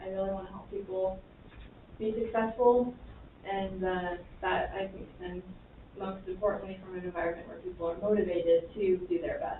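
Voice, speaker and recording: A woman's monotone, flat intonation at a moderate pace, with audible room echo. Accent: Pacific Northwest. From Eastern Washington. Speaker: HR and admin coordinator. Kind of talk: staff self-introduction presentation. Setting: board meeting.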